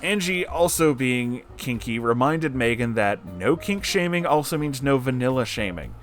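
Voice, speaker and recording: A man's voice: medium pitch, expressive, moderate pace, soft background music. A man hosting a story reading, giving candid casual commentary in an emphatic, blunt, sweary way. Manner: emphatic, blunt, profane asides. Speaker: host reading and reacting to listener-submitted stories.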